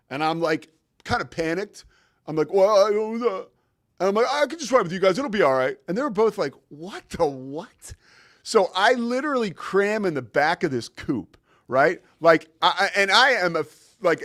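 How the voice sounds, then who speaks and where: A man's voice: fairly high pitch, fairly bright tone, no echo, studio quality. A man in his forties hosting his own show, telling a long personal story in a casual, rambling way with lots of fillers and restarts. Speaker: show host.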